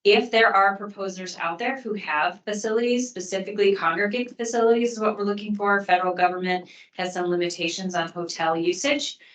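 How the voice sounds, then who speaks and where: A woman's voice: medium pitch, fairly even intonation, brisk, fairly bright tone, recorded from a distance. A woman, a city official, explaining plainly at a public contract briefing. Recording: echoey meeting room.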